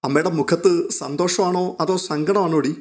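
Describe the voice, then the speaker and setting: Man doing a young woman, anxious, tender, wavering voice, higher pitch. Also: steady tone, moderate pace, natural voice. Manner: soft, hesitant, breaking voice.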